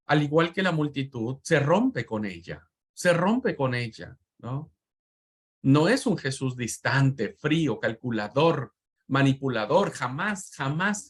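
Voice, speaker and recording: A man teaching a Bible class in a preaching manner, fervent, repeating words for emphasis and addressing his listeners as brothers. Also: on the high side.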